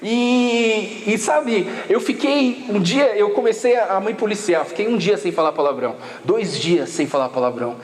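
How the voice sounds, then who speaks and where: Man, Brazilian Portuguese accent, pastor, high voice, relaxed slangy storytelling, long hall reverb. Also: moderate pace, hardly any pauses. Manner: casual joking storytelling with slang. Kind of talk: youth camp sermon. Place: large hall at a church camp.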